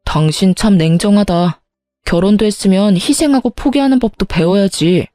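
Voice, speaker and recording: A woman's voice: medium pitch, moderate pace, mellow, no room sound, clean studio sound, faint music behind, natural voice. A woman voicing a stubborn, defensive husband who argues indignantly.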